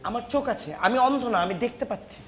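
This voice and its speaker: A sarcastic, snappish young man who answers in biting jabs. He talks fast and high. The sound is echoey, with faint music behind. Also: fairly bright tone.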